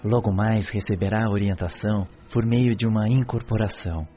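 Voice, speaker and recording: An actor playing a calm, fatherly spirit guide in a radio drama, speaking with kindly reassurance. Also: fairly low pitch, brisk, husky. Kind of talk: audiobook radio drama acting. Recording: dull band-limited audio, faint music.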